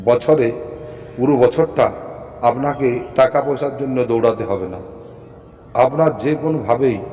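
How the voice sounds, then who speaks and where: A man addresses his viewers as a spiritual teacher and explains how to chant mantras, pressing his promises with firm repetition. His voice sits in a middle pitch. It rings with a long reverb over a faint hiss. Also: darkish tone. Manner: emphatic, repeats firm assurances.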